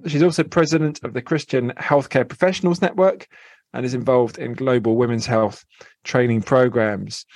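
A man's voice: mid-range voice, a little mellow, no echo. A man hosting a podcast interview, friendly and a little hesitant, with many fillers and restarts. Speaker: podcast host.

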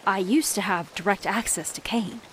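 An actress playing a proud, flamboyant jewel merchant in an audio drama, effusive, theatrical and wheedling. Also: female voice, medium pitch, normal speed, a little hiss or hum, lightly acted. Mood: wounded pride. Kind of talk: scripted audio drama acting.

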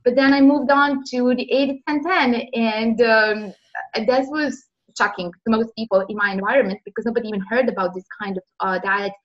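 An earnest woman from Serbia answers interview questions in a slightly high voice, often pausing with "uh" and "um." Her audio comes over a remote call and sounds muffled and lo-fi. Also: fairly even intonation. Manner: earnest, frequent "uh" and "um" pauses. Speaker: interview guest.

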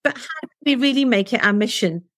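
A woman's voice: a little high, a little fast, dry recording, clean studio sound. Earnest woman posing rhetorical questions. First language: Punjabi. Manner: persuasive, asks rhetorical tag questions. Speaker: interview guest. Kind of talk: earnest conversational interview.

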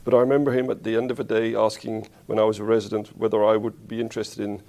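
A man from the Netherlands, a spine surgeon being interviewed, who talks in a thoughtful, unhurried way and corrects himself as he goes. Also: on the low side, level tone, darkish tone. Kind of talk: conversational interview.

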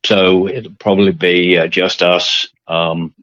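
A man's voice: low-pitched, little pitch movement, takes it slowly, fairly bright tone, dry recording, highs cut off. An older man from England with an English accent, talking through his story as a guest with lots of fillers and repeated words. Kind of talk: casual interview.

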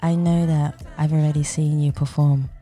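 Brief: woman podcast host, low warm voice, gushing and upbeat, faint music behind. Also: level tone, moderate pace. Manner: enthusiastic, effusive praise. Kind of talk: interview hosting.

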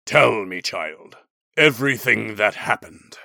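Man voicing a slow, booming, mighty shaman elder. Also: animated, gravelly, sharp tone, no room sound, studio quality, full character voice. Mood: solemn kindness. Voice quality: deep, booming. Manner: solemn, slow, commanding. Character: mighty, grave, kindly male elemental shaman elder.

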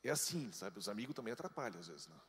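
A man preaching a sermon as pastor, telling stories with lively delivery and jumping into high voices to quote people. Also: racing. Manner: animated storytelling, jumps into high-pitched voices for quoted people. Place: church hall. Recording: long hall reverb.

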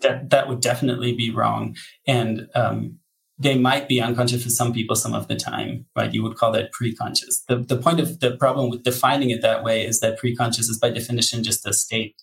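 A man with a gravelly edge talks through his research in an interview. He hedges and restarts often, filling pauses with ums, but stays candid. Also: mid-range voice, flat delivery, a bit bright, low-quality recording. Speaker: psychology researcher guest. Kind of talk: thoughtful interview answers.

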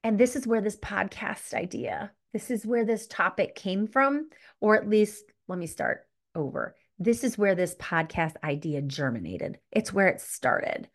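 A woman's voice: mid-range voice, animated, unhurried. Candid woman podcaster telling a story. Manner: candid, self-correcting, reflective storytelling. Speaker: podcast host. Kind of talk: solo podcast monologue.

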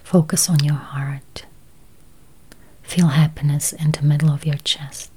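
A woman leading a guided meditation in a soft, breathy near-whisper, with calm, soothing, deliberate phrasing. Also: sits low, slight background noise.

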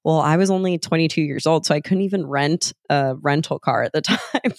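A woman's voice: low-pitched, a little fast, no room sound, studio quality. A young adult woman from the South, co-hosting a podcast and laughing often as she tells stories. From American South. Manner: upbeat, laughs often while telling stories. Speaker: podcast co-host. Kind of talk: casual chat.

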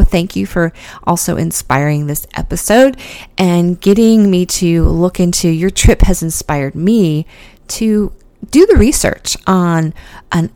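A woman's voice: on the low side, a little mellow, no room sound. A woman hosting a casual solo podcast, talking in a chatty way with lots of ums and restarts. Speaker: podcast host.

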